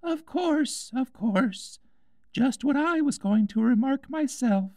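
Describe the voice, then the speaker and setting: Man voicing a squeaky, drowsy little dormouse. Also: expressive, mellow, no echo, clean studio sound, exaggerated voice. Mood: dreamy, agreeable. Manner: drowsy, drawn-out delivery. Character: sleepy squeaky little dormouse, murmuring half asleep.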